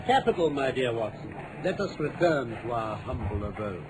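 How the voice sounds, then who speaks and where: An urbane English detective acted by a man speaks with precise, drily teasing wit in an old radio play. His intonation swings widely around a medium pitch. A faint noise runs through the vintage recording. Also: lively intonation, normal speed, natural voice. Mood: wry amusement. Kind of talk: vintage radio drama acting.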